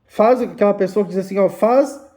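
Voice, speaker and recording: A man, an umbanda teacher giving a slow, repetitive religious talk to his viewers. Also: high-pitched, dark tone. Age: 50s. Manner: slow, repetitive, addressing listeners as "gente". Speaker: umbanda spiritual teacher and channel host.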